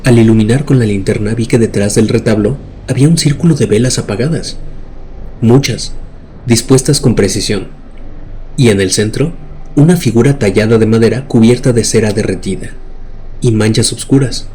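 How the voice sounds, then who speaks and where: A man's voice: lowish voice, moderate pace, dark tone, slight background noise. A man narrating scripted horror stories in a dramatic, suspenseful way. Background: music bed.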